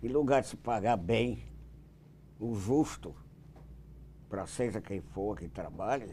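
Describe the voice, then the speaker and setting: The voice has vocal fry, a dark, mellow tone and lively intonation. Its pace is very slow, with long, frequent pauses. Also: man, fairly low pitch for a man. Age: 80s+. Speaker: retired public servant. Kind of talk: TV panel debate. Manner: interrupting, insistent.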